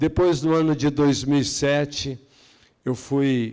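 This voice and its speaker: At a fairly slow pace, a man talks with a fairly high pitch and a dark, mellow tone. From São Paulo, Brazil. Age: 40s. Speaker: NGO coordinator giving testimony. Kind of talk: testimony. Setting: dinner event speech.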